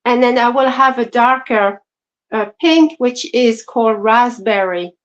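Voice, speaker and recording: A woman with a French accent co-hosting a casual crochet livestream, soft-spoken and apologetic with many fillers. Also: a little high, measured pace. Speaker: co-host. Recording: dull lo-fi stream audio.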